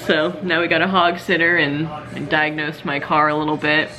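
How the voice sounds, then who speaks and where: A woman's voice: sits low, level tone, normal speed, crowd noise, rough recording. A young woman chatting casually to her vlog audience in an informal, giggly storytelling way. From Georgia, United States. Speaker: vlogger.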